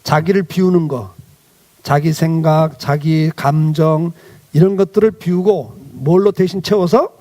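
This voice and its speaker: A man's voice: a little high, steady tone, measured pace, dark tone. A male pastor giving a children's sermon, asking the children questions and then answering them himself.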